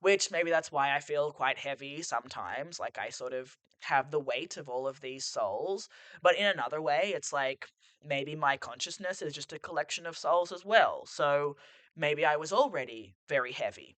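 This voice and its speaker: A man's voice: on the high side, pushed and bright, dry recording. A man hosting a podcast as a reflective solo monologue, rambling and musing, full of "like" and "sort of", sitting on a couch at home and losing his voice a bit. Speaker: podcast host.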